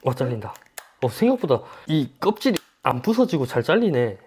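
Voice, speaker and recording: A man's voice: mid-range voice, sing-song, fairly quick, a little mellow, slight background noise. A man filming a casual fishing and cooking vlog, exclaiming often as he talks. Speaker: fishing vlogger and cook.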